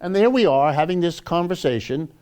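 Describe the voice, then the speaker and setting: A man's voice: a little high, animated, brisk, a little mellow, clean tone. Wry American man giving a lecture. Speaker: lecturer hosting a monthly public talk. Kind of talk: extemporaneous political lecture to a live audience.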